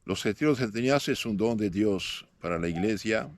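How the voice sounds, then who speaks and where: Speaking on the low side yet expressively, with no room sound around him, a fifty-something priest raised in northern Syria on Aramaic takes interview questions. He keeps a measured pace, halting often with "eh" fillers and restarts.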